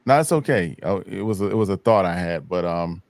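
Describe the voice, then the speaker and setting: A man hosts a laid-back hip hop talk show in a somewhat low voice. He rambles and repeats himself as he chats. The sound is dry and close. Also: animated, brisk, no room sound. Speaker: podcast host. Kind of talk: casual chat.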